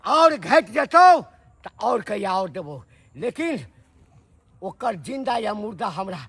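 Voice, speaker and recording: An actor playing a proud, angry old rich father with a Maithili accent, boastful and shouting threats. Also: high-pitched, very animated, slow, a little hiss or hum, heavily acted. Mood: vengeful. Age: older.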